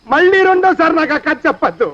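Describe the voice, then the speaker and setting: An older man's high, sharp voice a cowardly, scheming boss who pleads and haggles. The soundtrack is dull and muffled, as from an old film. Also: lively intonation, fast. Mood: flustered. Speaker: film character, a rich boss. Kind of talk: Telugu film comedy dialogue.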